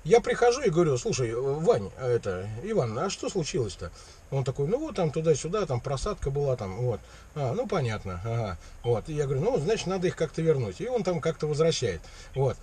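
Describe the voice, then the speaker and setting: A man's voice: on the high side, sing-song, brisk, a little mellow, slightly rough. A man chatting casually on a call from a vehicle cab, rambling and slangy in a mock-naive way. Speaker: prankster taking a sales call. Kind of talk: casual colloquial phone chat. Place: inside a parked vehicle cab.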